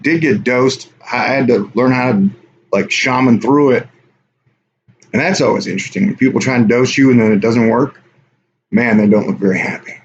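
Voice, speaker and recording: Man, mid-pitch, casual livestream host, rambling and offhand, dull lo-fi audio with faint hiss. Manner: rambling, offhand, reads chat aloud. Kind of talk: casual live stream chat with viewers.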